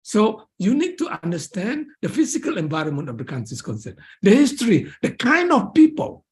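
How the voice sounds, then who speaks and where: Male academic lecturer, Malaysian accent; very animated intonation, emphatic, leans on repeated key phrases. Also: high voice, brisk. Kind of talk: academic lecture and question answering.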